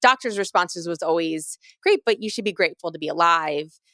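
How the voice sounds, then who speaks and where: A retired athlete in her thirties tells her story candidly and earnestly, frequently restarting phrases and growing lively whenever she quotes other people. Her voice is fairly low and a little fast. The studio-quality recording has no echo.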